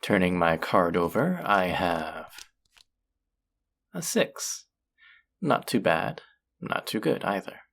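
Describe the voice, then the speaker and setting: A woman's voice: a bass voice, big pitch swings, takes it slowly, gravelly, pauses often, heavily acted. A woman playing a flirty, possessive demon casino dealer in an intimate roleplay audio drama, teasing and taunting the listener. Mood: teasing, inviting.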